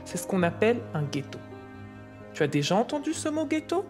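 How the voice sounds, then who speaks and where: With a sing-song voice on the high side and a fairly quick pace, a woman plays an older, patient grandmother telling a child about history like a story. Her mood is patient and explanatory, and music plays under her voice.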